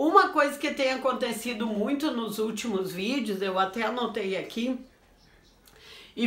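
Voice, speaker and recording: A woman at a high pitch and fairly slow pace, amid audible room echo and noticeable background noise. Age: 60s. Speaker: law teacher. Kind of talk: lecture. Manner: casual, conversational.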